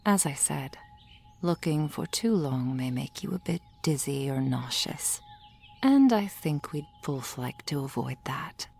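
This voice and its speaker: A woman playing a gentle, reassuring soul healer in an ASMR roleplay, speaking in a soft, formal whisper. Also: a bass voice, expressive, unhurried, vocal fry, breathy edge, heavily acted. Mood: soothing whisper.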